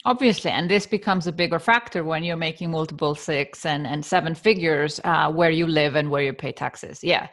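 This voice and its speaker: Podcast host lady from iceland, easygoing chat, lowish voice. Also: normal speed, hardly any pauses. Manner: friendly, conversational, laughs easily. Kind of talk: casual interview chat.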